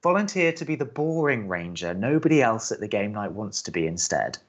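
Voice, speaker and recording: An actor playing an earnest, flustered young campus radio co-host who talks with fretful, exasperated emphasis. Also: male voice, fairly low pitch, sing-song, a little fast, dull audio. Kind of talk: bantering audio drama dialogue.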